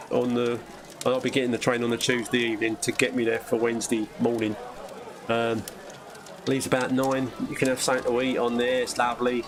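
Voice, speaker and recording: Noticeable background noise sits behind the audio. Over it, a man talks fairly quickly. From London. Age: 60s. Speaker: plasterer and live stream host. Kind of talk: casual chat. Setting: live stream. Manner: halting, many fillers and restarts.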